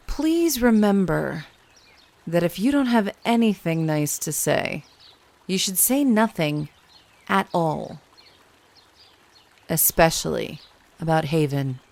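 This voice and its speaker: An actress playing a haughty, menacing envoy of an elite enclave, deliberate and mock-polite, in a radio drama broadcast. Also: female voice, on the low side, expressive, gravelly, exaggerated voice. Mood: veiled threat.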